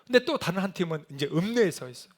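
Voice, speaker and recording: A middle-aged male pastor preaching a sermon, telling a mission story with animated storytelling and acted-out shouted quotes. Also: high-pitched, rapid-fire.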